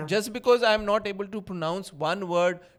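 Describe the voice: A man with a strong Punjabi accent, fairly even intonation and a moderate pace. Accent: heavy Punjabi accent in English.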